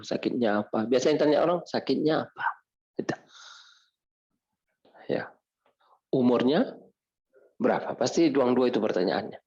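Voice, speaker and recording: A man's voice: mid-range voice, dull audio. A man preaching a mosque study lecture, reciting Arabic prayers and explaining them, often asking the audience questions. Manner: animated, asks the audience questions and answers them. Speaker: preacher teaching Islamic jurisprudence.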